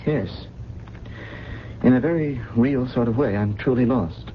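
Courteous, lost gentleman played by an actor; mid-pitched, hesitant, earnest radio drama delivery, dull recording with faint noise. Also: unhurried, natural voice. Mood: lost, bewildered. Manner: hesitant, earnest, well-spoken. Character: polite, bewildered gentleman who has lost his memory. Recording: dull, noisy old radio broadcast.

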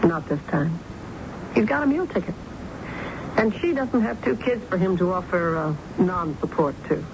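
A woman's voice: lowish voice, animated, moderate pace, gravelly. An actress playing a hard-up, ambitious young secretary and mother in a wry 1970s radio drama style. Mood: bitter, wry. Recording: muffled, noisy 1970s radio recording.

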